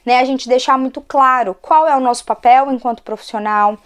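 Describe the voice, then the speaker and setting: A hoarse woman, fighting a cold, giving a conversational educational talk to her channel as an occupational therapist. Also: high-pitched, a little fast. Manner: conversational, frequent tag questions.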